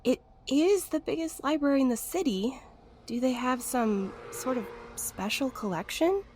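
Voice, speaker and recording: A woman's voice: high voice, measured pace, a little hiss or hum. A woman acting in an audio drama as an anxious, wry young female sleuth, talkative and a little hesitant. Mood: questioning. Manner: hesitant, expressive.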